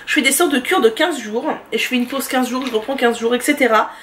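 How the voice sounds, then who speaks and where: A woman vlogger enthusiastically reviewing her favorite products in a chatty, casual way, often pausing with "euh". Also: sits high, a bit bright, slight background noise. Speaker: beauty and lifestyle vlogger. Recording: voice distant from the mic.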